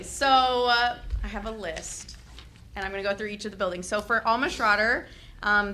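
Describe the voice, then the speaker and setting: A young woman who is a teacher reads shout-outs at a school board meeting, chatty and loud, with laughing asides. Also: medium pitch, a little hiss or hum. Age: young adult. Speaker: teachers association representative.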